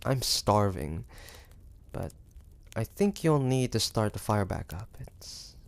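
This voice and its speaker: A man playing a proud, wary, sardonic hunter from the 1850s in an intimate audio drama, halting and full of breathy sighs. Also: lowish voice, sing-song, dry recording, full character voice. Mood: grudging, puzzled. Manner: halting, breathy sighs, indignant then grudging.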